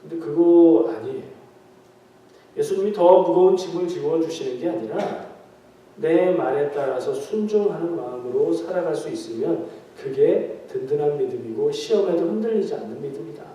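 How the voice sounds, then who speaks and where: In a church sanctuary, a pastor delivers a midweek prayer meeting sermon in a conversational style, putting questions to the congregation and joking with them. His voice is a little high, animated and mellow, at a moderate pace. The hall is very echoey and the mic sits far away.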